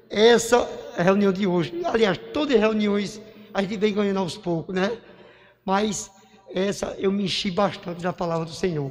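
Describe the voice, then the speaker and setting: Amid noticeable background noise, a man with a high pitch speaks with long, frequent pauses. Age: 60s. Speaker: church member sharing. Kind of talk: testimony.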